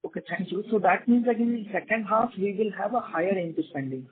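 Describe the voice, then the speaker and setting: A man's voice: high-pitched, fast talker, husky. A man with an Indian accent, a financial analyst asking unscripted questions on a business call. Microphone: phone. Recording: thin tinny phone line.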